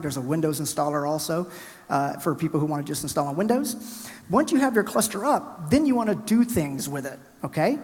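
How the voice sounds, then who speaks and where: Fast-talking man presenting in a hall. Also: on the high side. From Alabama, US South. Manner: fast, energetic, chatty presenter narrating his screen. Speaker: conference speaker. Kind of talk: live tech conference talk with coding demo. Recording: hall reverb from a conference room.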